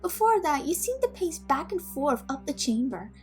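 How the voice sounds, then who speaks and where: Woman acting a high-voiced, gentle young servant woman. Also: very animated, moderate pace. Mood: careful, tender. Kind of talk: audio drama acting. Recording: music under the voice. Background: music.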